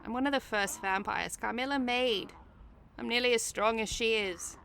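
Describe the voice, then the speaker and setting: A woman's voice: a little high, normal speed, creaky, fairly bright tone. A woman playing a defiant, scheming vampire in an audio drama, with a dry, taunting manner. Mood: cold defiance. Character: defiant, sardonic female vampire, scheming daughter.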